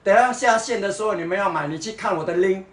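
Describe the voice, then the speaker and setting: A man's voice: high voice, fast, a bit bright, reverberant. A man from Singapore with a Singaporean Mandarin accent sprinkled with Hokkien words, mocking his viewers in a livestream chat. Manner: mocking, sarcastic, mixes in Hokkien and English.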